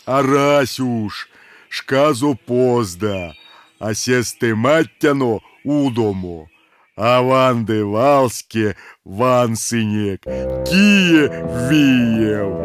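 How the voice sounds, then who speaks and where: An actor voicing a boastful, hungry male forest spirit monster in a cartoon, with a deliberate way of talking. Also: mid-range voice, lively intonation, faint music behind. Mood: putting off. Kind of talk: cartoon character acting.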